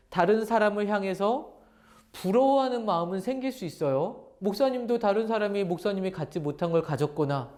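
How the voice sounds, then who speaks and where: A woman pastor telling a Bible story to children in an animated way, asking them questions as she goes. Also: medium pitch. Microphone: lapel mic.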